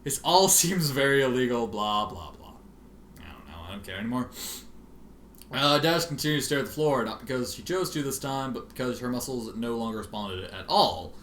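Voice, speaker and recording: A man reading fan fiction aloud in an expressive, sardonic manner, with casual asides. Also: medium pitch, normal speed. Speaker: amateur fan fiction reader. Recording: roomy, faintly noisy home recording.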